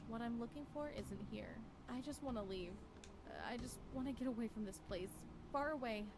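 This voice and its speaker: A woman playing a lonely, regretful wife in a visual novel, wistful and brooding, with deliberate phrasing. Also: a little high, natural voice. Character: Violet, lonely regretful wife wandering a forest. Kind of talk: scripted visual novel monologue. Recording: clearly noisy, with ambience behind.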